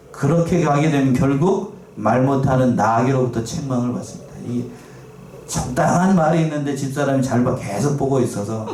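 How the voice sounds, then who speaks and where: A man's voice: mid-range voice, warm tone, a little hiss or hum. A man preaching a sermon as pastor, asking the congregation questions and reading scripture aloud. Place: church sanctuary. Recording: echoey church, mic at a distance.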